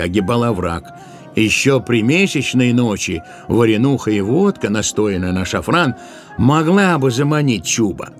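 A man narrating a literary tale for an audio play in an expressive, deliberate way, drawing out certain words. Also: lowish voice. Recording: music behind the voice. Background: musical accompaniment.

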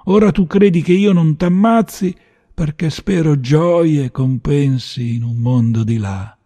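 A man's voice: fairly high pitch, measured pace, dark tone, voice pushed up. Man reading as a bitter, menacing young man. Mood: cold, bitter. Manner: grim, scornful, rising to a rant.

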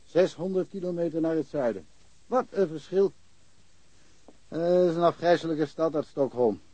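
Chatty, higher-voiced small-town policeman played by a man. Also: normal speed, mellow, no echo, close to an everyday voice. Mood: dryly amused. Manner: rambling, dryly humorous. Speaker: actor in a radio crime drama. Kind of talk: naturalistic radio play dialogue.

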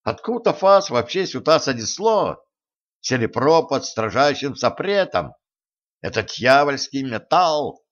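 A man's voice: medium pitch, big pitch swings, unhurried, lo-fi sound. A man voicing a fretful, grumbling storyteller. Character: nervous, grumbling male storyteller.

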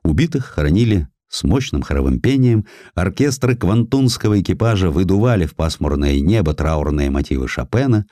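Low-voiced, expressive male audiobook narrator. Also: dry recording, studio quality. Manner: expressive, measured delivery with weighty pauses. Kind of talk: dramatised historical narration.

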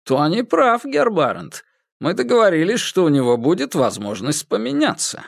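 A man's voice: high voice, huge pitch swings, moderate pace, vocal fry, no room sound, studio quality, voice pushed up, full character voice. Guy doing a mocking old german man, light and sing-songy, lifted voice.

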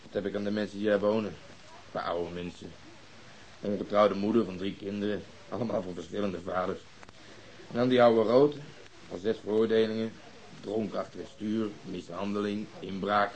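An actor playing a bitter, bossy police detective in a radio drama, stern and cutting in manner. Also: male voice, fairly low pitch, fairly even intonation, normal speed, darkish tone, close to an everyday voice, rough recording. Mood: wry, grumbling.

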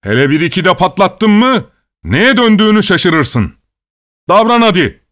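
A man's voice: fairly high pitch, normal speed, no room sound, natural voice. A man playing a blustering, irritable village watchman in a storybook reading. He barks and threatens in a raised, bossy voice, and the recording is dry. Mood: furious. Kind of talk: audiobook character reading.

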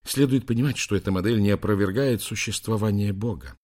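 A stern, preachy woman priest, as a male reader puts her on. The voice sits low and delivers warnings with solemn weight. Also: brisk, darkish tone, lightly acted. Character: stern female priest on webcam.

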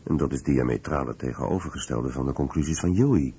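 A man reading a scripted documentary voice-over in a measured, serious way. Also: very deep voice, vocal fry, dark tone, husky, highs cut off.

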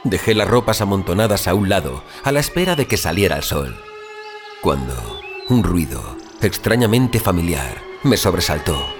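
A man performs a dazed, desperate survivor telling his own story in an audio drama. The voice is on the low side and swings widely in pitch, with theatrical gasps and exclamations. Music plays clearly behind the anguished narration. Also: sing-song, normal speed. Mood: somber, haunted. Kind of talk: dramatic first-person audio fiction narration.

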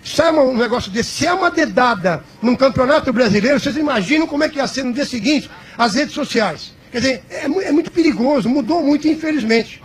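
Fast-talking high-voiced man, ex-referee guest. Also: lively intonation, a little hiss or hum. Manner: explains in quick rhetorical questions. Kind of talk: phone-in interview chat.

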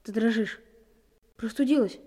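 Wartime radio play: concerned boy adult actress, gentle dark tone, a little high. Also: moderate pace, long reverb tail, natural voice. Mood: quiet, concerned. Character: concerned young boy, the girl's friend in wartime. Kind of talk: radio drama acting.

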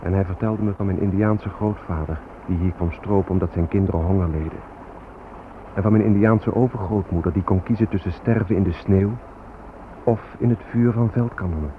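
A man's voice: deep voice, a little fast, close to an everyday voice. A man in a radio drama playing a proud, bitter Native American with solemn, declamatory delivery. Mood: elegiac. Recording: noisy narrowband old radio recording.

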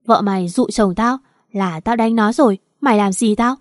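A woman's voice: mid-range voice, normal speed, darkish tone, no room sound, studio quality, close to an everyday voice. A woman reading a coarse, furious jealous wife from a storybook, speaking in a hostile, abusive manner.

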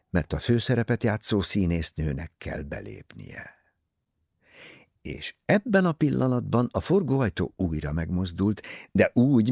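A man narrating an audiobook in an expressive, dramatic reading, close to the mic. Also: low voice, creaky, slightly rough, no echo. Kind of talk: scripted narration.

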